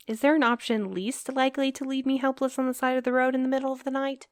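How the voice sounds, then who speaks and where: A woman's voice: high-pitched, fairly even intonation, brisk, no room sound, lightly acted. Woman playing a wry mail courier, close dry sound. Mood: wry, exasperated. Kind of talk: audio drama acting.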